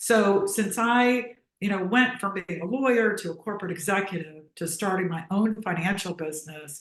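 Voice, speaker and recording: A woman's normal speaking voice at a medium pitch, a moderate pace and with ordinary pitch variation. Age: 60s. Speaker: keynote speaker, financial business founder. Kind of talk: keynote talk.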